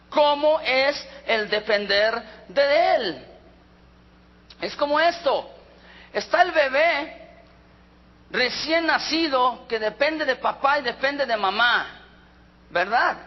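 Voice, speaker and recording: A Mexican man preaching a sermon as a pastor, often asking the congregation questions. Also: very high voice. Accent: Mexican Spanish. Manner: asks the congregation frequent rhetorical questions. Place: church hall. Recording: reverberant hall with dull sound.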